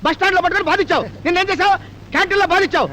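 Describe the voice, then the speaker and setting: An actor playing a hot-tempered young husband who threatens and shouts in a Telugu film drama. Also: male voice, very high-pitched, racing, background noise. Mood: exasperated. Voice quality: fiery, threatening.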